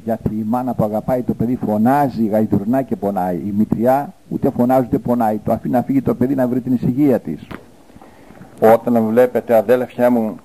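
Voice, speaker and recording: A priest preaching a fiery, denouncing sermon, his tone dark and mellow. He speaks with scorn and breaks into sudden loud outbursts, then drops back. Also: mid-range voice, low-quality recording.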